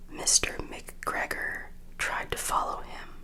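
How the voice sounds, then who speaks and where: A woman whispers fairly slowly while noticeable background noise goes on around her. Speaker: ASMR creator. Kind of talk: whispered story reading for sleep. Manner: whispered, soft.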